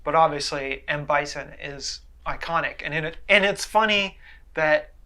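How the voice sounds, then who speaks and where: A man's voice: a little high, a little slow, bright, forceful tone. A man chatting casually as a co-host of a talk show. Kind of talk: casual chat about video game movies.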